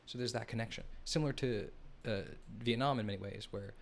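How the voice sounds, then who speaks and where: A lower-pitched man hosts a live stream and talks through a map in loose, unscripted commentary. He often stops and restarts his sentences and speaks straight to the chat. A faint hiss sits under the recording. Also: a little fast, vocal fry. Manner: rambling, self-correcting, addresses the chat. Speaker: host of a live analysis stream.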